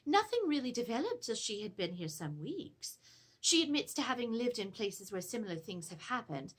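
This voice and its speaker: A woman playing an anxious, genteel Edwardian wife in a theatrical, formal reading of a letter about a haunting. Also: fairly high pitch. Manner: theatrical, expressive, formal storytelling. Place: indoors, seated before a draped backdrop.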